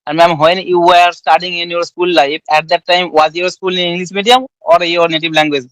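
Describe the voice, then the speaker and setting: A man from West Bengal with an Indian accent, asking polite, halting questions with many restarts on an English practice call. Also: high-pitched, little pitch movement, fairly bright tone, dry recording, rough recording. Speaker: conversation partner asking questions. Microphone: online call.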